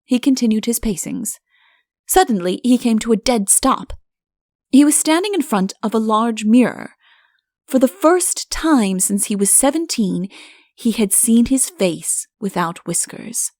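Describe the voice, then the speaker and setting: A woman's voice: a little high, lively intonation, unhurried, darkish tone, no room sound, studio quality. A woman reading a comic fairy-tale audiobook as a scripted narrator.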